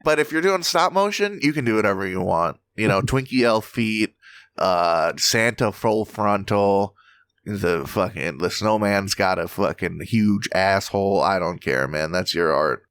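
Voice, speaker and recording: A man co-hosting a casual podcast, his fairly low voice swinging up and down with a lot of life. He jokes and swears freely. The sound is dry and close. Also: unhurried, clear, resonant tone, dry recording. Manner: animated, joking, swears freely. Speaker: podcast co-host. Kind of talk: casual comedic chat.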